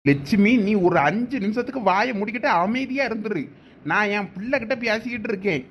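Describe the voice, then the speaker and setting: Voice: mid-range voice, a little fast, lo-fi sound, a little hiss or hum, close to an everyday voice. A performer voicing a stern, angry village father in a cartoon, with a Thoothukudi Tamil accent and a threatening manner. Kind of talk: cartoon voice acting.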